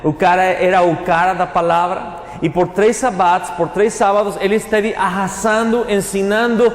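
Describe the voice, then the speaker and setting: High-voiced pastor preaching in an echoey hall. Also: male voice, level tone, normal speed. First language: Spanish. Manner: didactic, repeats phrases and asks the listeners questions. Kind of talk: Bible teaching sermon with call-and-response questions. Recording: echoey hall with long reverb, faint noise.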